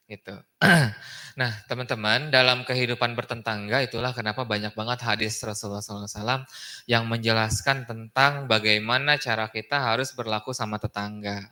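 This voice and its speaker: Brisk and steady in tone, this mid-range male voice comes out pushed and bright. The speaker is a preacher giving a chatty Islamic study talk in a mosque, habitually tacking "gitu kan ya" onto his phrases as a questioning aside.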